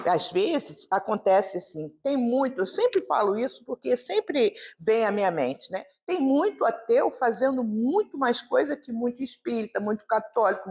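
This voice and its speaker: Woman talking to a crowd at a meeting, gravelly, kinda high voice, lots of asides and questions. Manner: conversational, many fillers and rhetorical questions. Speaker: guest speaker at a spiritist meeting. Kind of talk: informal talk on a gospel reading. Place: meeting hall, live public gathering.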